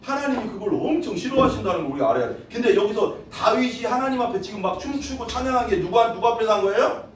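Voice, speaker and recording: High-voiced pastor in an echoing hall. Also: male voice, fast talker. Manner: animated, quizzes the congregation, acts out quotes. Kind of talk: sermon. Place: church sanctuary. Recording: echoey hall from far off, faint noise.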